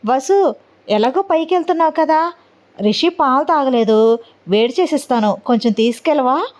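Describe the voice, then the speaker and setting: A woman's voice: high voice, animated, moderate pace, darkish tone, voice pushed up. A woman voicing a wry, teasing middle-aged aunt.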